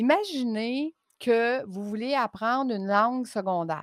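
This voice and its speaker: A woman with a Quebec accent speaks at a fairly slow pace in a fairly high voice. The recording is very clean, with a silent background and a dry, close sound with no echo. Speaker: podcast host, business coach. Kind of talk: casual podcast talk. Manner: hesitant, many fillers.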